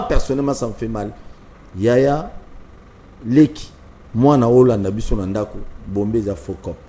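A middle-aged Congolese man hosting a TV talk show, speaking in a calm, measured way in French and Lingala. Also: medium pitch. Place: TV studio.

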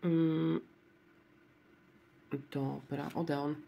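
Casting: woman vlogger, low voice, unhurried, murmurs letters aloud while checking scratch cards. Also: flat delivery, gravelly, muffled recording. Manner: spells out letters one by one, low-key and murmuring. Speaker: lottery scratch-card vlogger.

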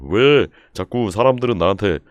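A young man live-streaming, ranting in exasperation and going over the same point again and again with sudden shouts. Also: fairly low pitch, moderate pace, clear, resonant tone, no room sound, clean studio sound. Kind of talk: casual live-stream rant.

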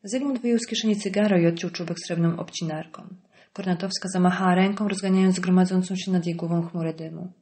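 A woman narrating an audiobook in a calm, even storytelling manner. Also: on the low side, fast talker.

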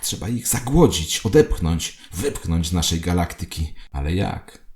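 A man's voice: low-pitched, expressive, measured pace, a little mellow. A man playing a paranoid, self-important conspiracy believer, telling his saga in a dramatic, confiding way as satirical audio drama narration. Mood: grave, resolute. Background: music.

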